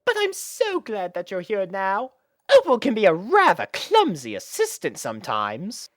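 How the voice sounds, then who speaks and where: A woman's voice: mid-range voice, huge pitch swings, a little slow, dry recording, clean studio sound, pitched above the performer's own voice. A woman voicing a refined female pony dressmaker in a storybook reading, fussy and gracious, with an affected, formal, dramatic manner.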